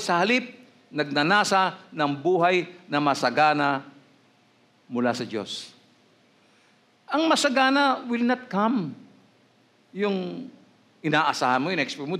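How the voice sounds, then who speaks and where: Filipino male pastor, fairly high voice, emphatic sermon delivery with rising questions. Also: pushed and bright. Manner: switches between Tagalog and English, rising emphatic questions.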